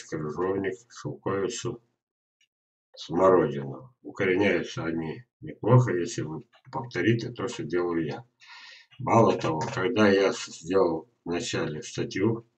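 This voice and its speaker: An older man giving an informal instructional webinar talk, speaking haltingly with drawn-out words and pauses. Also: low-pitched, rough recording. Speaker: gardener presenting an online lesson. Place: indoors in a small dim room at a computer.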